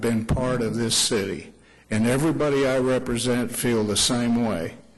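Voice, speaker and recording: Audible room echo accompanies speech at a moderate pace with fairly even intonation. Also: man. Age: 70s. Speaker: retired firefighter speaking at public comment. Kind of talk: public comment at council meeting. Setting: city council chamber.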